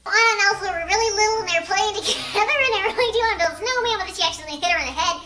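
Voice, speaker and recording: Young female vlogger on helium: squeaky, bright, giggly, rambling playful retelling, echoey room. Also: very fast. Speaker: video creator. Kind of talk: playful challenge vlog retelling film plots.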